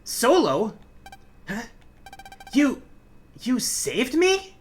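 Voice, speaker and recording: A woman voicing an earnest, gentle young boy hero in a game story, speaking sincerely and a little hesitantly. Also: a little high, wildly swooping pitch, drawn-out words, a little hiss or hum, exaggerated voice. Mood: confused. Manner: soft-hearted, sincere, hesitant.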